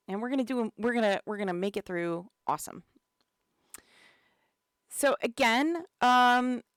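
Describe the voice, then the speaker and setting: She's a community manager with a cold hosting a game livestream, relaxed and chatty, full of fillers as she says hello to viewers. Her voice sits on the low side, clear and resonant, with studio quality and no echo.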